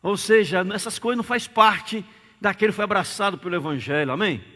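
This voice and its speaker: Man, Brazilian accent, pastor's sermon, high-pitched, forceful, emphatic repetitions, echoing church hall. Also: fairly quick. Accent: Brazilian Portuguese. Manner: emphatic, repeats key words, calls out for amens. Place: church sanctuary.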